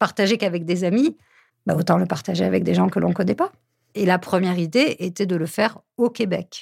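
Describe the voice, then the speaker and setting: On a very clean recording, silent background, a woman speaks at a fairly quick pace. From Lot, southwest France. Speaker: hostel owner and cook. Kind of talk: interview. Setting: at her hostel.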